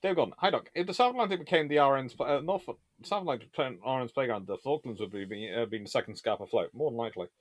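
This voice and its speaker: A man's voice: mid-range voice, quick pace, dry recording. Rambling man hosting a casual Q&A. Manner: rambling, discursive, self-correcting. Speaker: host answering viewer questions on naval history. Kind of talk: casual live question-and-answer talk.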